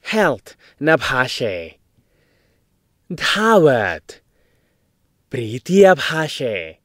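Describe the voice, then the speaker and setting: A man from India delivers scripted commercial voice-over with a lively, swinging intonation. His pace is measured and unhurried, at a middle pitch. The recording is close and dry. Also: no echo.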